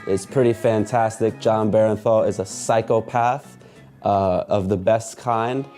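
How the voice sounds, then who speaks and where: A man's voice: lowish voice, fairly even intonation, unhurried, dark tone, faint music behind. A man in a casual comedic rant, sarcastic, with rising outbursts. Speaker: comics commentator.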